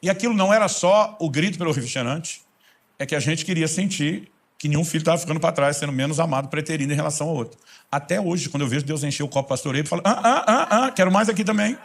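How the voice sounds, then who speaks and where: Brazilian male preacher with a somewhat high voice, delivering a fervent storytelling sermon. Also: fast talker. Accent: Brazilian Portuguese. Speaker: pastor.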